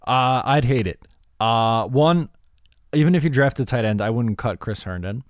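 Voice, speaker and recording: A man's voice: mid-range voice, moderate pace, no echo, clean studio sound. A man hosting a podcast, talking sports casually and giving blunt, opinionated answers. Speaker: podcast host answering voicemails.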